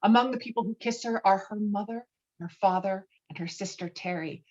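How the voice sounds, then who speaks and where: A woman's voice: medium pitch, fairly quick, darkish tone, dull audio. A woman reading stage directions as scripted narration for a virtual table read, recorded over an online call. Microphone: online call microphone.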